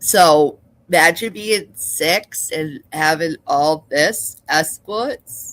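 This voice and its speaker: Speaking very slowly with a Boston accent, a woman uses a fairly low pitch and lively intonation. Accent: Boston accent, dropped and intrusive R's. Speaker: podcast co-host. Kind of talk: casual chat. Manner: hesitant, many 'um' fillers.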